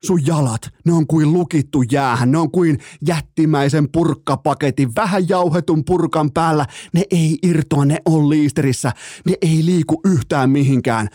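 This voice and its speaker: A man hosting a sports podcast, ranting in a mock-outraged comic way and shouting out quoted commands. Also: on the high side, no echo, studio quality. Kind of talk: comedic sports podcast rant.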